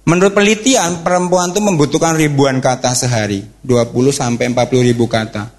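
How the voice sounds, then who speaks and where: A man giving a lively religious talk to teenagers and parents as a counselor. He often asks the audience questions. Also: medium pitch, fairly quick, faint music behind. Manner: animated, acts out quotes and cheers, asks the audience questions.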